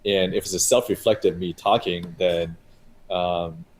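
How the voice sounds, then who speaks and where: A man's voice: deep voice, steady tone, measured pace, a little hiss or hum. A man, a game developer, talking in a loose, rambling way on a live stream, full of fillers and restarts. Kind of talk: casual live-stream chat.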